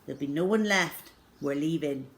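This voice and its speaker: A woman's voice: low voice, moderate pace, natural voice. A woman reading the part of a stern, embittered island father in a storybook, speaking bluntly and emphatically. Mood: resigned, firm. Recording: clear background noise.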